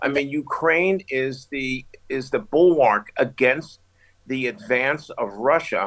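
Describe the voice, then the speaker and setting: A man with a fairly high pitch speaks at a very slow pace. His pitch varies in an ordinary way. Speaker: public health physician. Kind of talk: interview.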